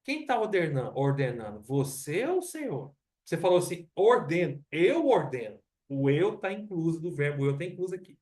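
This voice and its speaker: In a church hall, a Brazilian-accented man preaches a conversational Bible study, with rhetorical questions and plenty of repetition. His slightly high, slightly mellow voice swings widely in pitch, and he talks a little fast, recorded from afar.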